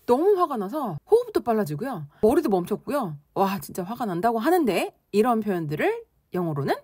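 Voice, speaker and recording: A slightly husky woman with a lively, bouncing pitch, teaching English conversation and playfully acting out angry reactions. Her voice sits a little high, recorded close and dry with no room sound. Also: brisk, no room sound. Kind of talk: explaining English expressions in Korean.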